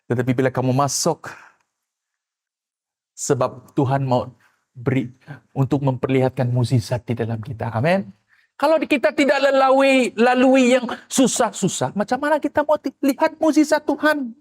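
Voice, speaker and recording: Male pastor, high-ish voice, loud bursts then quiet asides. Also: moderate pace. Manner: animated, swings between loud exclamations and low asides, acts out quoted people. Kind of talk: sermon.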